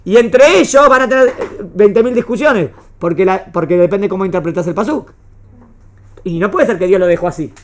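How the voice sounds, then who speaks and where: A woman's voice: mid-range voice, fairly quick. A woman with a Rioplatense Spanish accent teaching a class, often checking whether her students have understood. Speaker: religious studies teacher. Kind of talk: classroom lecture.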